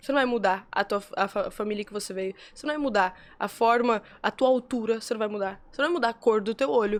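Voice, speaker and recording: A woman's fairly high voice at a fairly quick pace, hardly any pauses, ordinary pitch variation, and a very clean recording with a silent background. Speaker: communication coach. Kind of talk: podcast conversation. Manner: animated.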